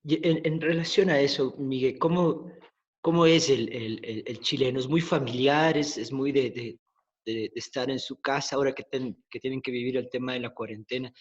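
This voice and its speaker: A male host asking questions haltingly, repeating words as he goes. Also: mid-range voice, fairly even intonation, dull audio. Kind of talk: interview questions.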